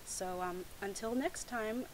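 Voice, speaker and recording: A woman's voice: mid-range voice, takes it slowly, slight background noise, rough recording. A young adult woman hosting a mocking read-aloud of fan fiction, with sarcastic, incredulous asides. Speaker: host of a comic fan fiction reading series.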